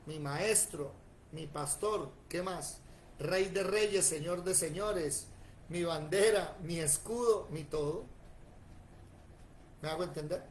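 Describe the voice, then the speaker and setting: Animated high-voiced male Bible teacher. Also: slight background noise, low-quality recording. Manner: animated, plain-spoken, asks the class questions. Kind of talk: Bible class lecture.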